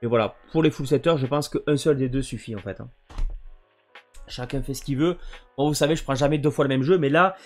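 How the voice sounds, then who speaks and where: A man casually presenting his video game collection, hesitant and full of fillers. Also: fairly high pitch. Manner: hesitant, many fillers and restarts.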